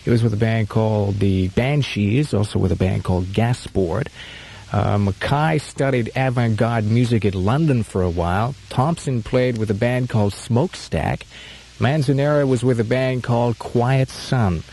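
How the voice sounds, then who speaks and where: A man hosting a radio album show, giving measured, informative commentary between records. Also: medium pitch, warm tone, breathy edge. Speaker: radio host. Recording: slightly muffled archive radio aircheck.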